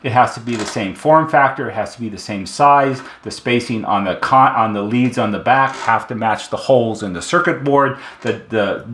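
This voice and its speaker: A man's voice: mid-range voice, normal speed, hardly any pauses, a bit bright. A man talking informally to viewers as a repair technician in an instructional video, emphatic and fond of repetition and rhetorical questions. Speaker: repair shop technician presenting a how-to video. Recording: roomy, echoing room sound.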